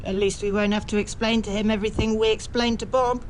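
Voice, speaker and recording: A woman's voice: mid-range voice, little pitch movement, quick pace, a little hiss or hum, close to an everyday voice. A woman playing an earnest good witch who explains things in an amateur audio drama. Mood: matter-of-fact.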